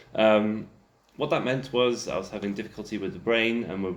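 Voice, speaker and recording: Room echo can be heard around a man's fairly low voice. His intonation stays fairly even. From Yorkshire, northern England. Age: 30s. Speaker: musician and pastor. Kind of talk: interview. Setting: studio.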